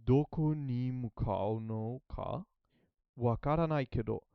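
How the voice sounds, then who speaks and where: Gravelly-voiced man learning Japanese, muffled. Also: medium pitch, moderate pace, background noise. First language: not Japanese. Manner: hesitant, repeats phrases while translating. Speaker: language learner. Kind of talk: casual study vlog, thinking aloud.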